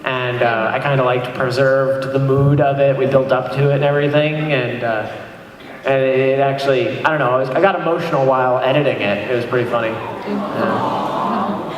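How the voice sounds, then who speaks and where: A man's voice: mid-range voice, steady tone, normal speed. A man chatting casually as a panelist at a convention. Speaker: panelist, video editor. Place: large convention panel room. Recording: distant echoey hall, clear background noise.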